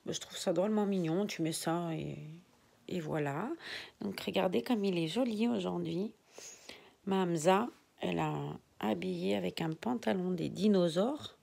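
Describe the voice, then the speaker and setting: Chatty older woman with a gravelly voice. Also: on the low side, moderate pace, warm tone. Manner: chatty, rambling, often drops to a whisper. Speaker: reborn doll collector vlogger. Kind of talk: casual chat to viewers. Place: bedroom nursery at home.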